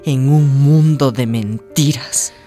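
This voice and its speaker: A woman's voice: rumbling low, slow, dark tone, soft background music. An actress playing a young trans woman hairdresser who tells her life in a radio drama, tender and wounded. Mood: wistful, confiding. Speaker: narrator and lead of a radio drama. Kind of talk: radio drama acting and narration.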